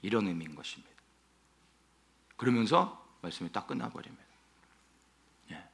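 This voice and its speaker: A male pastor preaching an expository sermon, emphatic and animated, often asking his listeners rhetorical questions. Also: lowish voice, normal speed, gravelly.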